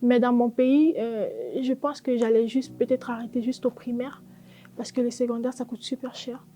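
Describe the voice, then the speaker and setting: A woman's voice: fairly high pitch, flat delivery, normal speed, dark tone, slight background noise. An eighteen-year-old woman from Congo giving an earnest, grateful documentary testimony. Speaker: interviewee.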